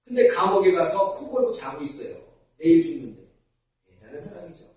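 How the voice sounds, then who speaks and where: High-voiced man preaching, booming echo. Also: animated, brisk, darkish tone. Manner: asks the congregation questions and answers them himself. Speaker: pastor. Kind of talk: sermon. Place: church sanctuary. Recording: very echoey church hall from far off.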